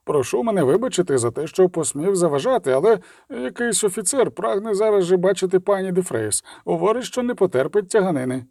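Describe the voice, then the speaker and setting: A man's voice: high-pitched, expressive, brisk, vocal fry, warm tone, no echo, clean studio sound, pitched above the performer's own voice, exaggerated voice. A man reading an audiobook, voicing a servile, apologetic innkeeper calling down from above. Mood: fawning. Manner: obsequious, apologetic.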